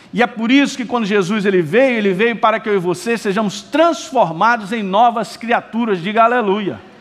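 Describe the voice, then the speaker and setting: High-pitched male voice, animated in tone with ordinary pitch variation, against noticeable background noise. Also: moderate pace, hardly any pauses. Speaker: pastor. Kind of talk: sermon.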